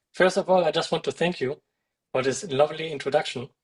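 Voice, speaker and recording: Somewhat breathy, a man with a German accent keeps a fairly even intonation. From Germany. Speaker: author and coach. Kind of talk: online meeting talk.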